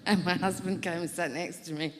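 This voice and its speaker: A woman's voice: lowish voice, steady tone, brisk, noisy background. A woman doing a stand-up comedy set, telling rambling, self-mocking stories. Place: comedy venue stage. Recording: live stage with long hall reverb. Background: faint audience laughter.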